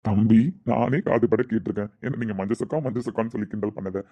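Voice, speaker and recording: A man's voice: on the low side, fairly even intonation, quick pace, breathy edge, muffled recording. A man speaking dramatic dialogue in an earnest, tender way. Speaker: actor in a family drama.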